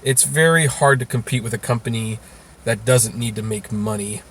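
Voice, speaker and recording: A man being interviewed, talking casually and explaining things in a halting way with repeated words. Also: medium pitch, a bit bright, slightly rough. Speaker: interview guest, rideshare video creator.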